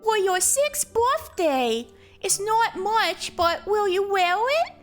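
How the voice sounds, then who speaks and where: A woman's voice: very high-pitched, lively intonation, takes it slowly, soft background music, pitched above the performer's own voice, exaggerated voice. A woman voicing a mother who fears her own young daughter, brooding anxiously and speaking carefully. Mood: gentle. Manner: anxious, brooding inner monologue. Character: frightened, guilt-ridden mother of a strange child.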